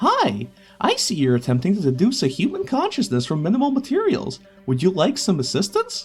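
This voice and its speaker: Over faint background music, a put-on character voice at middle pitch moves at a fairly quick pace. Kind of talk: formal, polite, automated.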